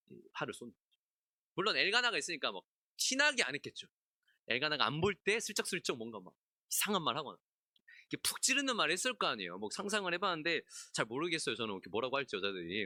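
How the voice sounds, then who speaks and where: A man's voice: fairly high pitch, bright, forceful tone, no room sound, clean studio sound. A man pastor giving an expository sermon at a midweek service, talking in a conversational way, asking the congregation questions and acting out characters in asides. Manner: acts out biblical characters in asides, laughs often.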